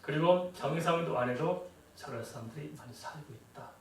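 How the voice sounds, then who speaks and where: A man's voice: on the high side, brisk, background noise. A middle-aged man preaching a sermon as a pastor, talking conversationally and often asking the congregation rhetorical questions. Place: church sanctuary. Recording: echoey church hall, voice from a distance.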